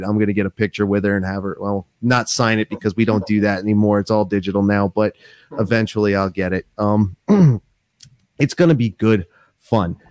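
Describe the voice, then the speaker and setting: A man's voice: fairly low pitch, no room sound. Podcast host, thirties, man; rambling, chatty delivery on a desk mic, dry close sound. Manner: rambling, animated, lots of fillers and restarts. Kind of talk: casual interview chat. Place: small home office. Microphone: desk microphone on stand.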